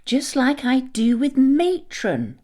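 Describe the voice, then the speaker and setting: A woman's voice: high voice, huge pitch swings, slow, mellow, voice pushed up, exaggerated voice. A woman voicing a bold, fibbing young girl caterpillar in a children's storybook, breezy and playful.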